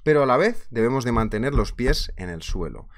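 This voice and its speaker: A man in his thirties with a Spain Spanish accent, teaching a live online trading class in a chatty, animated way, laughing often, from a small office on a webcam. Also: mid-range voice, fairly quick. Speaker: trading instructor. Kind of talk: casual live webinar teaching.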